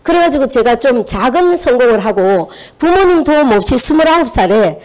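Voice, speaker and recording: Woman, 50s, Busan accent, seminar speaker, animated storytelling, questions to the audience. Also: high voice, moderate pace. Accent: Busan Gyeongsang. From Busan, South Korea. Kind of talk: motivational seminar talk. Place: seminar hall.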